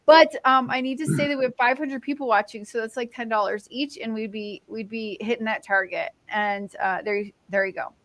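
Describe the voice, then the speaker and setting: A woman's voice: a little high, fairly quick, hardly any pauses, a bit bright. Bubbly woman giving a fundraising update. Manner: bubbly, giggly, many fillers. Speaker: fundraising organizer. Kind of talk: casual live-stream update.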